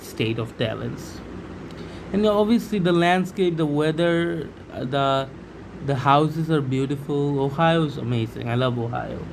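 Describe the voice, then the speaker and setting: A man with a non-native accent speaks at a moderate pace with lively intonation. Noticeable background noise and audible room echo fill the recording. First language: not English. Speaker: YouTuber. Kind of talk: casual ranking commentary. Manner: hesitant, many fillers.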